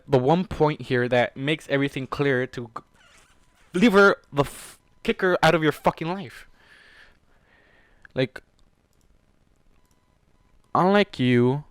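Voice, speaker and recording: A man's voice: mid-range voice, no room sound. A man hosting a fan fiction reading, breaking the story with heated, exasperated, sweary commentary and stumbling over words. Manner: emotional, exasperated asides, stumbles when reading.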